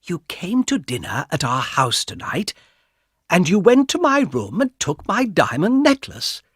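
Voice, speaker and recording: Man doing a scared young woman, high and pleading, slow and dry. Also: huge pitch swings, a bit bright, breathy edge, no room sound, heavily acted.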